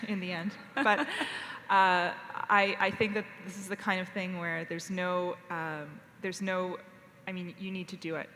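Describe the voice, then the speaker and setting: A woman's voice: lowish voice, a bit bright. Woman rambling on a panel in a hall. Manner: rambling with many fillers and restarts. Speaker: panelist, foreign correspondent. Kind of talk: panel discussion. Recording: reverberant hall, faint noise.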